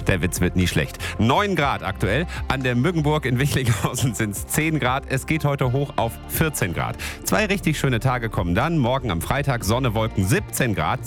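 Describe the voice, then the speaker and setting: A man presenting weather and traffic on morning radio, chatty and joking. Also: medium pitch. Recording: music bed behind voice. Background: music.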